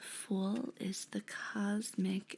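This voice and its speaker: A soft-spoken woman's voice at medium pitch, dark and mellow in tone and somewhat breathy. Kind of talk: ASMR tarot reading, soft spoken.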